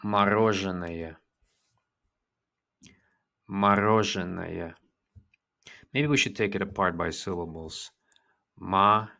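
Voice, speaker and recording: Slow, low-voiced man teaching vocabulary. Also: creaky, pushed and bright. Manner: slow, patient, repeats each word twice. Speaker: language teacher. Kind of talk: vocabulary lesson.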